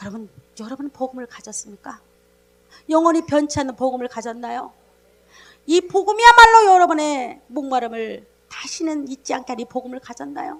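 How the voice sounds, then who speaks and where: A woman speaks at a moderate pace in a high-pitched voice. Her pitch swings very widely. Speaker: pastor. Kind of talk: sermon. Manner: speeds up when excited; sometimes broken, halting phrasing.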